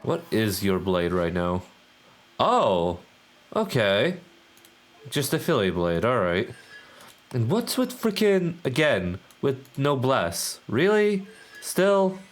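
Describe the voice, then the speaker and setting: A man's voice: medium pitch, huge pitch swings, slow, faint music behind. A man streaming a game, giving offhand, casual commentary and muttered reactions.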